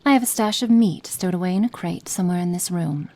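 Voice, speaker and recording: A woman voicing a cruel, cold witch experimenting on a captive in an ASMR roleplay, speaking slowly and menacingly and slipping into soft whispers. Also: on the low side, natural voice. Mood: clinical, curious.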